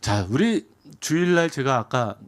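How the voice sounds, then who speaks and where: A man preaching a Sunday sermon as a pastor, asking the congregation questions and answering them himself, and slowing down when he quotes scripture. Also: medium pitch, big pitch swings. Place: church sanctuary.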